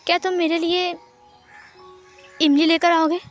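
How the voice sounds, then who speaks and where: A woman's voice: extremely high pitch, level tone, measured pace, faint music behind. A woman voicing a fragile, shy young man who stammers through flustered denials. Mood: pleading.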